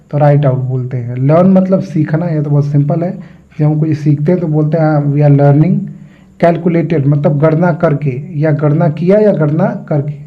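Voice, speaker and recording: Teacher guy going through english words one by one with everyday examples, kinda muffled lo-fi audio. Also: on the high side. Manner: explains each word with everyday examples. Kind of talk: vocabulary lesson. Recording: dull lo-fi sound.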